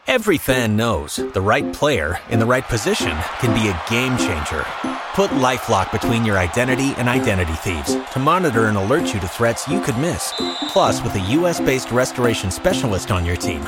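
A man's voice: medium pitch, big pitch swings, normal speed. A man delivering scripted commercial narration as an advertisement voice-over. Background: loud music.

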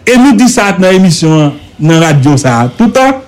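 A man's voice: high-pitched, very animated, moderate pace. A man with a Haitian accent giving impassioned political commentary in a radio studio, emphatic and repetitive, driving points home with rhetorical questions.

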